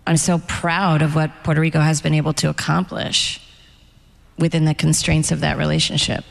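A middle-aged American woman, an author and guest, talking in a reflective, candid and measured way at a live event interview in a hall. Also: low-pitched, flat delivery, vocal fry. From United States.

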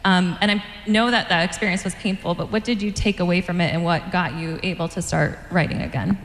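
A woman interviewer on stage asking measured, prepared questions, with occasional fillers. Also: lowish voice, fairly even intonation. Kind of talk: onstage author interview. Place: event stage before an audience. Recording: roomy hall, long reverb.

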